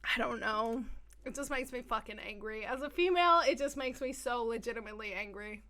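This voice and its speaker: Brief: young woman co-host, high and bright, sweary and playful banter. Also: a little fast. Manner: profane, playful, excitable. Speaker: podcast co-host. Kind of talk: casual chat.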